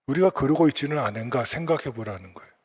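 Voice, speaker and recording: A man's voice: medium pitch, animated, fast talker, darkish tone, breathy edge, big-room sound. A male pastor with a Gyeongsang accent preaching a sermon and quizzing the congregation with repeated questions. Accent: Gyeongsang Korean.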